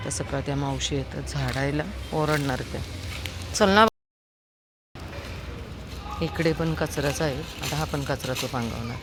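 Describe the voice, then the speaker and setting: A woman's voice: very deep voice, steady tone, unhurried, long pauses. A woman walking her dog and feeding street dogs at night, coaxing and scolding the dog and raising her voice to call it. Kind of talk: casual vlog narration while walking a dog. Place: apartment building and street at night. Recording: street noise behind.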